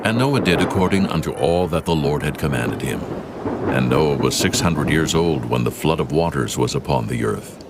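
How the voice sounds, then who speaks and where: Very deep, gravelly male scripture narrator. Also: lively intonation, heavy background noise. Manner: solemn, measured storytelling. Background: music.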